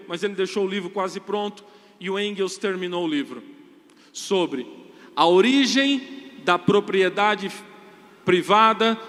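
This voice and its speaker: A man's voice: high-pitched, fairly bright tone. A Brazilian man preaching a sermon as a Catholic priest, emphatic and repetitive, speaking straight to the congregation. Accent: Brazilian Portuguese. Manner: emphatic, repetitive, addresses the crowd directly. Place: large church hall with long reverb. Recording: long hall reverb.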